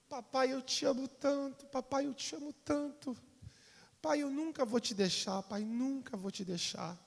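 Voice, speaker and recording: A man voicing a tender eight-year-old boy who softly tells his family he loves them. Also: sits high, lively intonation, exaggerated voice. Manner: soft, slow and tender. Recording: long reverb of a church hall.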